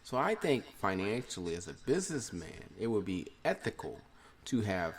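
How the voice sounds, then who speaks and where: A man hosts his own podcast in a rambling, opinionated solo monologue. His voice is fairly low with a gravelly fry, and it swings up and down a lot as he talks. A faint hiss sits under the recording. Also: very animated, moderate pace. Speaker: podcast host.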